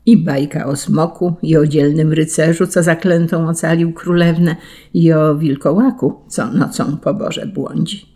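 A narrator reading an old children's story aloud in a gentle, expressive way. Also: mid-range voice, a little slow.

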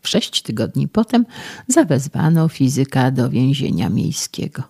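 A man narrating a story for an audiobook in a measured storytelling manner. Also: mid-range voice, sing-song, gravelly, dark tone, breathy edge.

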